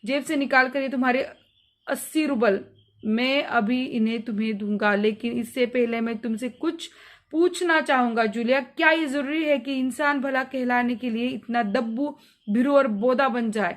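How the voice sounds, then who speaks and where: Strict bullying master of the house, voiced by a woman with a high voice, lectures sternly. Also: normal speed, lightly acted. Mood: earnest. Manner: lecturing, grows agitated and stammers. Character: stern scheming male employer, middle-aged, lecturing.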